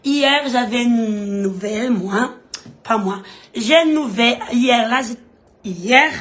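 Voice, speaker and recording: A woman's voice: a little high, takes it slowly, fairly bright tone. A Malagasy woman, the host of a live stream, chatting casually in French and scolding her viewers in an emphatic, repetitive way. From Madagascar. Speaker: streamer reading comments.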